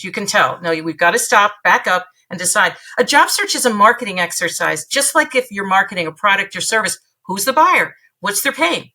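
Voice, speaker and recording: Woman, career expert guest, punchy and emphatic, bright tense tone. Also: mid-range voice. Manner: emphatic, punchy, repeats for effect. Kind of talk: podcast interview.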